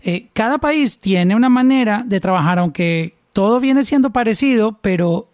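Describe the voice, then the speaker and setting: High-voiced Colombian man hosting. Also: animated, moderate pace, darkish tone, no echo, clean studio sound. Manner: chatty, reads out a long list of names, jokes about his pronunciation. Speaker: interview host. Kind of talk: casual interview conversation.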